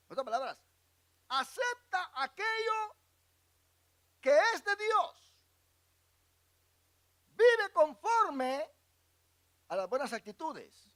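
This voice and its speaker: A male pastor teaching a Bible class, reading verses aloud and asking the congregation questions for them to answer. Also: sits high. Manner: asks the congregation questions and lets them fill in words; reads scripture verses aloud and explains them.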